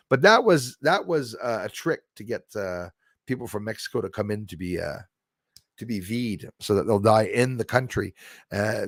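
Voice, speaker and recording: A man in his forties with a Canadian accent, hosting a casual livestream in a rambling, halting way as he responds to viewers. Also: fairly low pitch, dry recording, studio quality. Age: 40s. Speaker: livestream host. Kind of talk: casual live chat, reacting to viewer comments.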